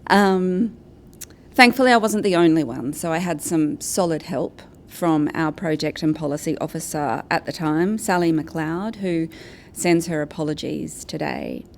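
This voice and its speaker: An Australian woman giving a prepared conference presentation as a guest speaker, in a measured, structured way. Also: low-pitched, slight background noise. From Australia, New South Wales and Brisbane. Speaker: guest speaker, advocacy and communications director. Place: event venue with an in-person audience.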